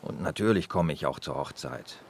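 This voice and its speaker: A deep-voiced weary police inspector. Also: male voice, expressive, normal speed, vocal fry, noisy background, full character voice. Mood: warm. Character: aging male police inspector, weary but tender. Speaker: inspector Anton Jäger. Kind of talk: radio crime drama.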